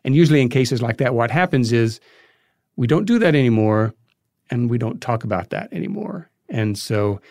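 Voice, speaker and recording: A man being interviewed as a guest, explaining history in a conversational, halting way as he thinks aloud. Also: mid-range voice, very animated, creaky, a little mellow, no echo, studio quality. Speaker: interview guest, filmmaker and podcast creator.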